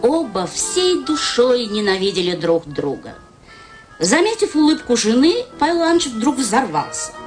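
A high, lilting, animated woman. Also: normal speed, faint music behind. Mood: dramatic storytelling. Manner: expressive, theatrical, lilting. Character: teasing, sly, playful wife. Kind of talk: radio play narration and acting.

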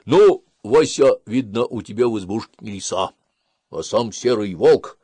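A man's voice: expressive, a little slow, breathy edge, no echo. A man voicing an old male dog, kindly but timid, with barking calls. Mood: apologetic. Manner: loud barking calls, then low and weary.

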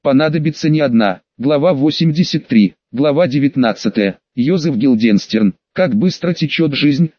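A man narrating an audiobook in the first person, with a measured, even delivery and pauses between phrases. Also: medium pitch, dry recording. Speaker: audiobook reader. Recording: dry, dull lo-fi recording.

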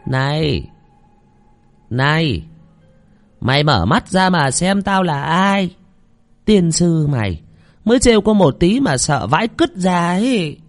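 A man's voice: a little high, very animated, takes it slowly, pauses often, in a large hall, faint music behind, voice pushed up, heavily acted. A man voicing a sly village shaman woman who wails like a ghost to scare someone and scolds coarsely. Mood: mocking scolding. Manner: eerie wailing, then coarse scolding.

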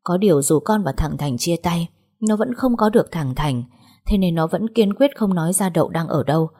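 Dark, husky woman narrating a story. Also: fairly low pitch, lively intonation, fairly quick. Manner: emotional, dramatic reading. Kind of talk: scripted first-person story narration.

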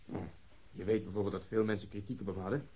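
An actor playing a persistent, sceptical homicide detective in a radio drama, questioning insistently in a husky voice. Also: male voice, lowish voice, flat delivery, fast talker, dark tone. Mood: probing, insistent.

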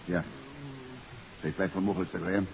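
An actor playing a calm, terse detective, sure of his deductions, in a 1950s Dutch radio play. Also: low voice, a little fast. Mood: calm, certain. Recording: muffled, hissy 1950s radio recording.

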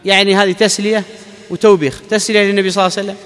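A man's voice: sits high, flat delivery, racing, fairly bright tone. A man giving a Quran exegesis lesson. He explains carefully, asking questions and then answering them. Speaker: Islamic scholar. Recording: long reverb of a large hall.

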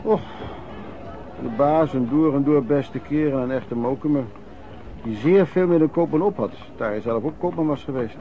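An actor playing an old vagrant in a radio drama, reminiscing in a colloquial, halting way and repeating words. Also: male voice, mid-range voice, close to an everyday voice. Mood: earthy reminiscing. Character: old vagrant recalling wartime lodging-house life, earthy storyteller. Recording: muffled old radio recording, background noise.

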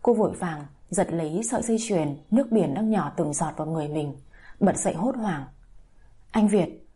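A woman narrating a dramatic audio story in an emotive, scripted way. Her voice is strongly husky and breathy, with a dark, mellow tone at a middle pitch. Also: brisk.

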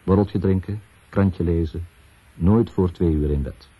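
A man narrating a scripted radio documentary in a measured way, in short, deliberate phrases. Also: deep voice, husky. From Netherlands. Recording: dull 1970s radio recording.

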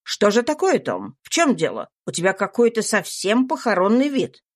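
A woman doing a lively young gentleman master. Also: mid-range voice, moderate pace. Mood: brisk questioning. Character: young wealthy male master, lively and teasing.

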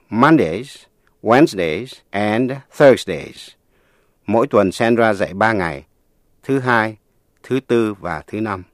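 A man teaching a language lesson on the radio in a measured, explanatory way, reading scripted narration. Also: mid-range voice, dry recording, clean studio sound.

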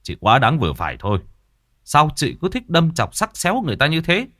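A man's voice: on the high side, huge pitch swings, fairly quick, bright, forceful tone, dry recording, studio quality, pitched above the performer's own voice, exaggerated voice. A man voicing a blunt young male actor in a storybook reading, speaking firmly and reproachfully. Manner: firm, curt and reproachful.

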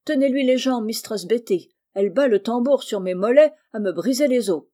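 Rough jolly carter, loud rustic talk, warm mellow tone; woman narrator puts him on. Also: a little high, lively intonation, moderate pace. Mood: blustering. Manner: loud, blustering, rustic country speech.

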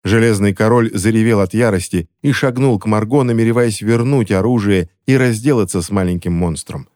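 A man reading a fantasy novel aloud as an audiobook narrator, in a steady, dramatic way. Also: on the low side, brisk.

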